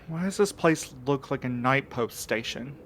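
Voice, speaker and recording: A man's voice: medium pitch, expressive, normal speed, a bit bright, close to an everyday voice. A man playing a practical, somewhat exasperated peacemaker guiding his companions in an audio drama. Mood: wary, practical. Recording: long echo, noisy effects ambience.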